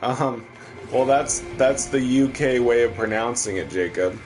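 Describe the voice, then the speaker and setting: Faint music runs behind a Midwestern livestream host who chats casually through his gameplay and fields viewer questions. He's an American Midwest man with a mid-range voice and an unhurried delivery.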